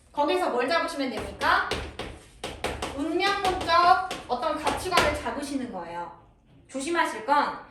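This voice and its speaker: A high, animated woman's voice lecturing on literature, now and then acting out a character's lines. She sits a little away from the mic in an echoey room. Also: distant mic. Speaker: literature teacher. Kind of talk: lecture explaining a classical text.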